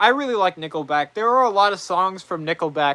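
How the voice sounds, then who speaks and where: A woman with an American accent, a fairly low pitch, a bright, sharp tone and lively intonation. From US Northeast, Massachusetts (Jamaica Plain, Boston). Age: 20s. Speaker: fursuit livestreamer. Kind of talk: casual livestream chat.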